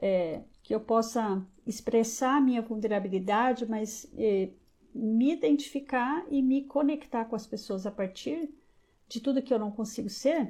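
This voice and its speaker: In a very clean recording with a silent background, a somewhat breathy woman with a fairly high pitch and a dark, mellow tone speaks at a moderate pace, with ordinary pitch variation and big swings in loudness. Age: 50s. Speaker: psychologist. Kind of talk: live stream reflection. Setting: live video stream. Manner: halting.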